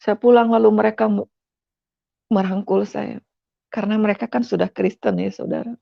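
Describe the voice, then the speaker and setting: A woman's voice: medium pitch, steady tone, normal speed, gravelly, dry recording. A middle-aged woman from West Sumatra tells her personal faith testimony with emotion, often addressing her listeners as "Saudara". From West Sumatra, Indonesia. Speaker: testimony speaker. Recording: dull, dry lo-fi sound.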